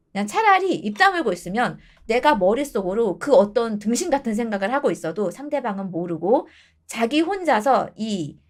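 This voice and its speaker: A woman in her thirties giving blunt dating advice to her viewers in casual talk, switching between polite and informal speech. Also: mid-range voice.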